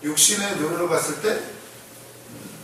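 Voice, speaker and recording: A man gives a lively, conversational sermon, acting out the shouting in the story he tells and often breaking into laughter. His voice sits high and bright for a man. He is recorded from a distance in a very echoey church, with faint room ambience behind him. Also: a little slow, slight background noise. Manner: animated, acts out the blind men's shouting, laughs often. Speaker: preacher. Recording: echoey room, voice from far off the mic.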